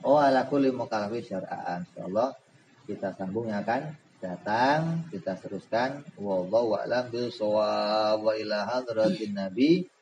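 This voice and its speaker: Slow, easygoing teacher. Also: male voice, fairly low pitch, lo-fi sound, a little hiss or hum. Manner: relaxed, humorous, asks his listeners rhetorical questions. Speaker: Islamic boarding school teacher. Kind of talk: religious book study lesson.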